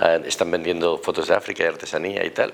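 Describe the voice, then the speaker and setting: A man with a Madrid accent talks at a fairly quick pace. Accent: Castilian Spanish (Madrid). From Spain, Madrid. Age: 60s. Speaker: photographer. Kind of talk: testimony. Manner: conversational, with fillers and self-corrections.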